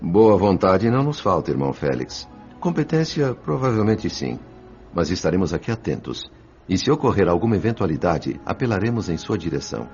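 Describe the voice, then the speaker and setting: A Brazilian actor playing a humble, compassionate spirit who narrates a dramatised audiobook in an earnest, literary and expressive manner. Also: male voice, low-pitched, a little fast. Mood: dutiful, humble. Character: André, compassionate male spirit narrator, humble, devoted helper. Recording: dull lo-fi sound with music. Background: background music.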